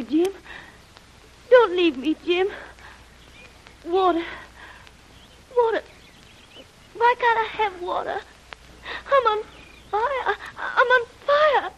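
Delirious fevered young woman, very high and slow; old dull radio transcription. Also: lively intonation, slight background noise, full character voice. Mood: delirious pleading. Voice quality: high, thin, wailing. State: feverish, pleading and sobbing. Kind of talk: 1930s radio drama acting.

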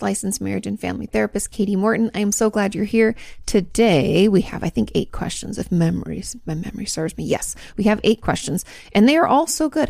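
Creaky-voiced woman therapist hosting a podcast. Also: mid-range voice, darkish tone, dry recording, studio quality. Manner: chatty, self-correcting, laughs at own slips. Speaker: podcast host, marriage and family therapist. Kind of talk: casual chat answering listener questions.

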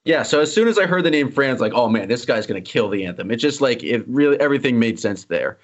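A man hosting a casual sports podcast, teasing his co-host and joking as he moves quickly through topics. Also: medium pitch, animated. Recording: slightly dull lo-fi audio.

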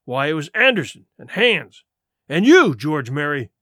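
A man performs a wily pirate sea cook from an adventure storybook. His voice rides high and swings widely in pitch, heavy with sarcasm and scorn. He argues in rustic nautical dialect, captured close and dry. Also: sing-song, unhurried, pushed and bright, no echo, exaggerated voice. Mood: indignant, vehement. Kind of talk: audiobook character acting.

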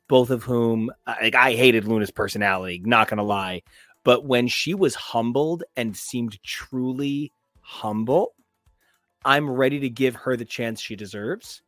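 A man's voice: mid-range voice, a little slow, dry recording, studio quality, faint music behind. A man co-hosting a pop culture podcast, chatting casually and gushing about shows, with lots of fillers. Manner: animated and gushing, with frequent fillers. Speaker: podcast co-host. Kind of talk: casual chat.

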